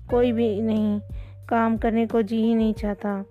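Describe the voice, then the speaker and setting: A woman's voice: a little high, flat delivery, muffled recording, close to an everyday voice. A woman voicing a lazy, simple-minded young man who is always hungry, in a storybook reading.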